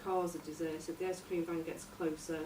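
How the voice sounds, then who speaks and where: A woman informally pitching a story outline in a tentative, halting way, searching for her words. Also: flat delivery. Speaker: workshop participant presenting a radio drama outline. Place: echoey room, recorded from a distance. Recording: roomy, distant mic, noisy background.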